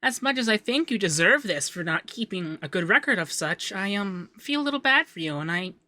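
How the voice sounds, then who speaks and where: Bright, flustered young femboy tax man, acted by a man. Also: high-pitched, expressive, brisk, exaggerated voice. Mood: flustered, businesslike. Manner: stammering, shy, teasing. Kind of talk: ASMR roleplay, acted straight to the listener.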